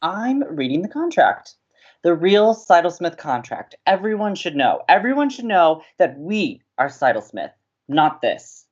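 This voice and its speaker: A man's voice: fairly high pitch, sing-song, measured pace, lo-fi sound. A man playing an earnest, dramatic young college radio host in an audio drama, wry and theatrical. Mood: declamatory, determined.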